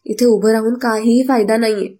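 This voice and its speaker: A woman's voice: fairly high pitch, steady tone, brisk, mellow, lightly acted. A woman voicing a scornful older village woman who gossips and taunts. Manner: sneering, taunting.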